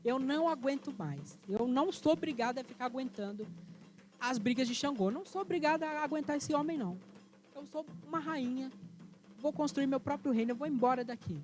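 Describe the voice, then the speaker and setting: A woman's voice: high voice, fairly quick, darkish tone, pitched above the performer's own voice, natural voice. A woman playing a defiant furious warrior queen. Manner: indignant, defiant, raised voice.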